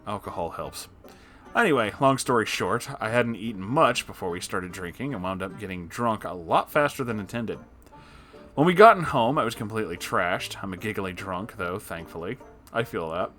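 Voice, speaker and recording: Male story narrator, low voice, sarcastic and exasperated delivery, expressive reaction commentary, background music. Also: normal speed. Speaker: host reading and reacting to online stories.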